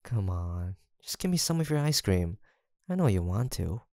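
A male voice actor plays a young college roommate with a crush, in a low voice with plenty of creak. He is gentle and teasing, a little hesitant, and his intonation moves around a lot. It is an intimate, one-sided roleplay conversation. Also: sing-song, moderate pace, dry recording, studio quality.

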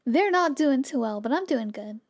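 A woman's voice: high voice, animated, moderate pace, dry recording, studio quality. A woman doing casual, playful live gameplay commentary, chatting with her viewers as she plays. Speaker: game streamer.

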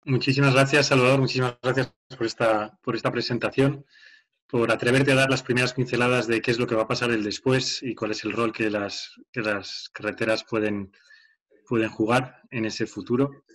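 A man's voice: medium pitch, steady tone, moderate pace, a bit bright. A man moderating a webinar, courteously introducing speakers.

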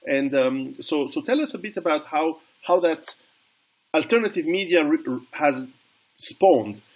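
A middle-aged man interviewing over a video call, asking halting questions with many restarts. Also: on the high side, expressive, slightly rough.

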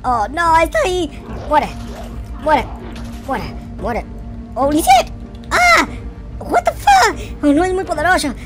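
A man's voice: very high voice, sing-song, slow pace, long pauses, full character voice. A man with a Latin American accent voicing a naive, easily panicked boy in a video game roleplay, dramatic, whiny and full of exclamations. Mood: frantic. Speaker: gaming YouTuber. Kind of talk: excitable gameplay roleplay commentary. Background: music.

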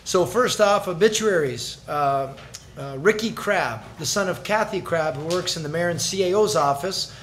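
A middle-aged man chairing a council meeting as mayor, brisk and chatty with joking asides, speaking into a desk microphone in a large chamber. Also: high-pitched, fairly bright tone. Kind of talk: formal council meeting announcements.

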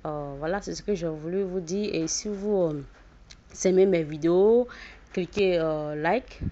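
A woman with a West African accent in French, casually addressing her channel's viewers in a halting, repetitive way with frequent false starts. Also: on the low side, mellow. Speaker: YouTube channel host. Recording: dull lo-fi voice recording.

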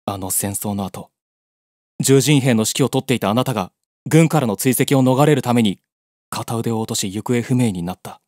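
A man's voice: medium pitch, darkish tone, dry recording, clean studio sound, lightly acted. Man as polite, resolute white-wolf beastman. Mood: urgent, resolute. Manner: formal, measured, earnest. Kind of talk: dramatic audio drama acting.

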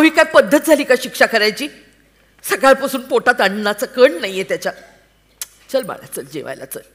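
A woman reading the part of an anxious, devoted wife and mother in a staged play reading, coaxing and pleading in a slow way. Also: lowish voice, a bit bright. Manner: pleading, coaxing, tender with a child.

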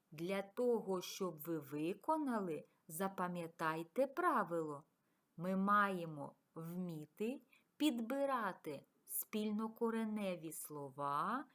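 A woman teacher giving a recorded video lesson to schoolchildren, dictating example words slowly and deliberately. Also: mid-range voice, a bit bright. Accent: Ukrainian.

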